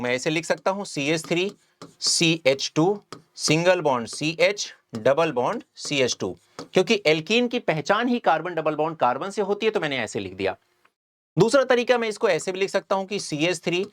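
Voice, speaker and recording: A man giving a step-by-step chemistry lecture and often checking that his students follow. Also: high-pitched. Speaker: chemistry teacher. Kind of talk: whiteboard lecture.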